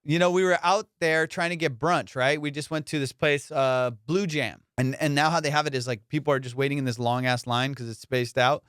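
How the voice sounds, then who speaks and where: A man hosts a casual comedy podcast with a clear, smooth voice of medium pitch. He talks in loose slang with plenty of swearing and teasing. The sound is close and dry. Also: steady tone, brisk, few pauses, fairly bright tone, dry recording. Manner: slangy, profane, teasing banter.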